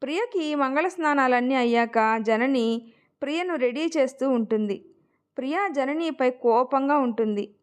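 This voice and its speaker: A woman narrating a family love story in a steady, expressive storytelling manner. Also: high voice, unhurried, smooth.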